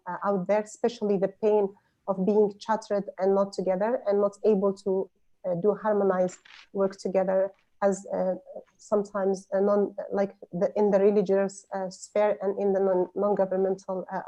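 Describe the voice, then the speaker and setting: A woman's voice: medium pitch, level tone, a little fast, mellow, poor audio. A woman moderating a question session on a video call, courteously handing the floor to participants by name. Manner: courteous, hands turns to speakers by name. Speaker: moderator of an online panel.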